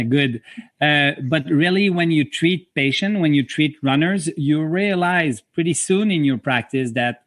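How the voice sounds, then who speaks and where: A man's voice: fairly high pitch, expressive, measured pace, fairly bright tone. A middle-aged man from Quebec with a French Canadian accent explains clinical practice as an interview guest in non-fluent English. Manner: non-fluent English with unusual word choices. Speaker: physiotherapist guest.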